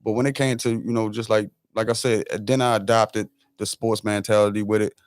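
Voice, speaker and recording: Low-voiced laid-back man, dry sound. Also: level tone, fairly quick, dry recording. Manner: laid-back, loose street talk. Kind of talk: casual podcast chat.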